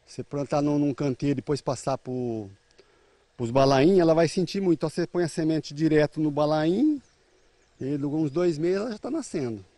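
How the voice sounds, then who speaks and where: Mellow-voiced Brazilian farmer explaining planting. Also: male voice, on the high side, brisk, no echo. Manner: plain, explanatory, informal. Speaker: rural producer guest. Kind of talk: practical how-to explanation. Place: outdoor garden. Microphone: reporter's handheld mic.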